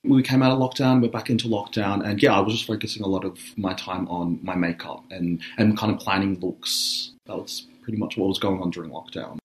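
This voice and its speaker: A man with a raspy voice, a drag artist speaking candidly in a relaxed interview and thinking aloud as he goes. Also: deep voice, a little fast, hardly any pauses, a little hiss or hum, rough recording. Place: radio studio.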